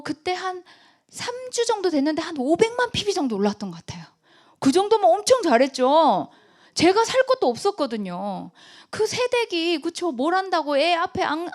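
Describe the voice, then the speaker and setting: A woman in her thirties giving a motivational sales talk, telling her story with lively acted-out dialogue. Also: high-pitched. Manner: animated storytelling, acts out quoted dialogue. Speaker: guest speaker.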